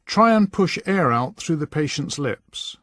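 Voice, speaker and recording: A man with a slightly high voice narrates a scripted lesson. He gives instructions in a measured way, recorded close and dry with no room sound. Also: lively intonation, fairly bright tone, dry recording.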